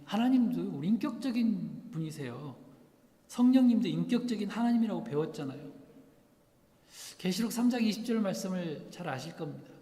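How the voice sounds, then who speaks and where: A male pastor preaching in a church sanctuary, his voice sitting a little high for a man. He keeps putting rhetorical questions to the congregation and acts out the lines he quotes. A long hall reverb trails after each phrase. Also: dark tone. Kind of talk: sermon.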